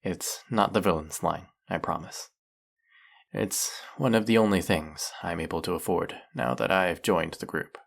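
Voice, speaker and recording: A man acting in an intimate audio roleplay as a lonely, courteous, smitten snake-headed villain, soft-spoken and flirtatious with a creaky voice. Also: sits low, unhurried, full character voice. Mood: tender, hopeful.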